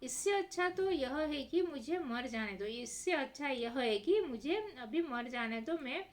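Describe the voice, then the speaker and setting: A woman voicing a miserly middle-aged male merchant who exclaims loudly in short outbursts, reading a storybook tale aloud. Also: sits high, animated, a little slow. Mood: stingy.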